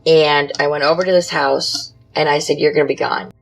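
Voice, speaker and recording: A woman with a low voice recounts personal paranormal experiences as an interview guest. She speaks conversationally in short, matter-of-fact phrases that build drama. Faint music plays underneath. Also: fairly even intonation, a little fast, gravelly, rough recording. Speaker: podcast guest, paranormal investigator. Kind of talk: conversational first-person storytelling.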